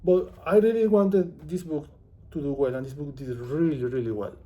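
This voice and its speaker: A man's voice: on the high side, normal speed, lo-fi sound. A man from Venezuela with a Venezuelan Spanish accent, Spanish his first language, chatting casually to camera in a digressive, self-deprecating way. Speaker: author and vlogger.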